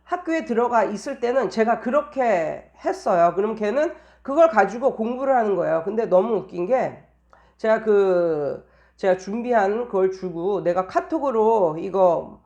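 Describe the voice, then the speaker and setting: A woman's voice: mid-range voice, lively intonation, moderate pace, mellow, lo-fi sound. A woman tutor talking casually in an anecdotal monologue, explaining things and repeating phrases for emphasis. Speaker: private English tutor giving teaching tips.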